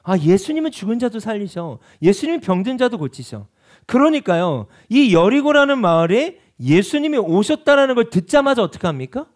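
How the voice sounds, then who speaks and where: Male pastor, high voice, lively sermon delivery in church. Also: brisk. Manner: animated preaching with rhetorical questions to the congregation.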